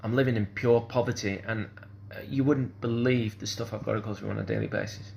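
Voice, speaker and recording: A man's voice: fairly low pitch, fairly even intonation, brisk, vocal fry, darkish tone, slight background noise. A man, speaking in a rambling, hesitant monologue full of fillers and restarts. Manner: hesitant, repeats "kind of sort of", restarts often.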